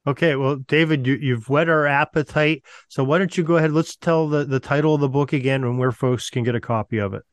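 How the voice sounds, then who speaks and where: A man's voice: medium pitch, fairly even intonation, a little fast, few pauses, dry recording. A man hosting a podcast, chatting casually and in a friendly way with many fillers. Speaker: podcast host. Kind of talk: casual interview chat.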